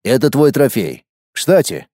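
Man doing a gruff tribal warrior. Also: medium pitch, very animated, unhurried, mellow, no echo, clean studio sound. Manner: gruff, insistent. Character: blunt tribal warrior, right hand of the chief.

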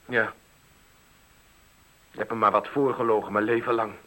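A forceful, hurt teenage son. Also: male voice, lowish voice, steady tone, normal speed, poor audio. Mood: irritated, angry. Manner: confrontational, intense. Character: hurt, accusing teenage son, passionate and confused. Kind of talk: Dutch radio play acting.

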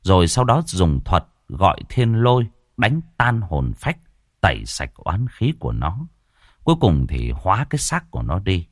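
A male storyteller telling a village ghost tale. His voice sits low but swings widely, dramatic and animated. The recording is close and dry. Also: normal speed, no echo.

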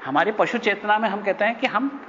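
A man giving a spiritual lecture, telling stories and acting out the quoted speech with sudden pitch jumps. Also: fairly quick, fairly bright tone. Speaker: spiritual teacher. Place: ashram hall. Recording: dull lo-fi recording with long reverb and faint noise.

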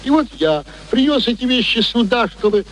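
A man's voice: very high voice, expressive, normal speed, poor audio. An actor in a radio play playing a sly, wheedling working-class father, theatrical and ingratiating in his manner. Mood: ingratiating storytelling. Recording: old radio recording with background noise.

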